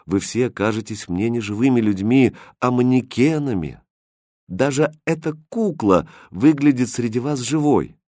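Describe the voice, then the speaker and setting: A man voicing a gentle, sincere young prince who speaks calmly and softly. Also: medium pitch, a little slow, dry recording, clean studio sound. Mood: sad. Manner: calm, soft-spoken.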